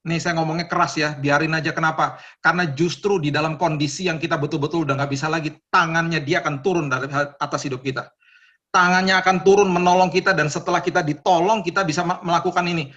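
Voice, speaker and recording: A man, preaching a sermon as pastor in a lively, conversational way and acting out the people he quotes. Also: on the high side, fast talker, highs cut off.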